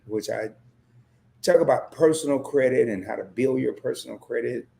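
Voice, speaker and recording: A hoarse man who has nearly lost his voice, chatting on a livestream as a co-host and turning rousing and emphatic, repeating himself as he gets worked up. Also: mid-range voice, darkish tone. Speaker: fellow credit YouTuber and co-host. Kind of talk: casual livestream chat.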